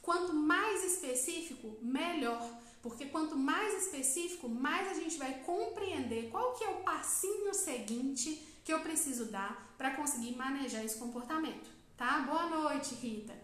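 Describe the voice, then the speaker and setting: A Brazilian woman, a psychologist, giving a live-stream talk and explaining step by step, often checking in with her listeners with a quick "tá?". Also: sits high, lively intonation, fairly bright tone, very echoey. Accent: Brazilian Portuguese. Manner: explanatory, frequent "tá?" check-ins, asks questions and answers them herself.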